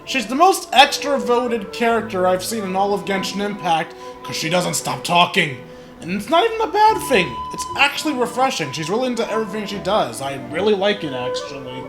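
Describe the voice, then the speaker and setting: A man's voice: sits high, big pitch swings, brisk, music in the background. A man giving casual, playful and opinionated commentary as he plays through a game. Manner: playful, opinionated, repeats himself. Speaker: gaming YouTuber.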